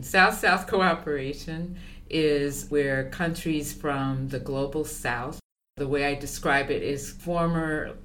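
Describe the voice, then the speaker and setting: Very low-voiced woman, measured talk. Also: fairly bright tone, a little hiss or hum. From born in Liberia, raised abroad. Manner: thoughtful, measured, with fillers and pauses. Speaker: guest, consultant. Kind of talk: interview answers.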